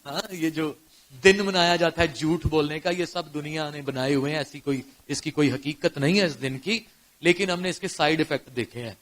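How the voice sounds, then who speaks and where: A high-pitched man with a Pakistani accent preaches to a church congregation, his voice bright and forceful. He throws rhetorical questions at the listeners and moves between hushed storytelling and loud, ringing exclamations. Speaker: pastor. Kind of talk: sermon. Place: church service before a congregation.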